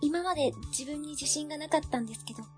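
Woman acting high-voiced, earnest young office worker. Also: quick pace, music in the background, lightly acted. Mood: modest, relieved. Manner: polite, sincere, formal. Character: earnest young female ward office worker, shy but determined. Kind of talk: amateur web radio drama acting.

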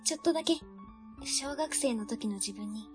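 A woman's voice: sits high, moderate pace, music in the background, natural voice. A woman playing an earnest, polite young female ward office employee in an amateur web radio drama. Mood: modest, relieved. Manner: polite, sincere, formal.

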